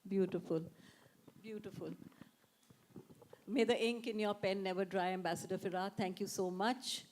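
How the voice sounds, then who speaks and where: A woman moderates a literary festival session. She speaks with open enthusiasm and gently nudges the audience to ask questions. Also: medium pitch, steady tone, moderate pace, slight background noise. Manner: warm and effusive, coaxing the audience.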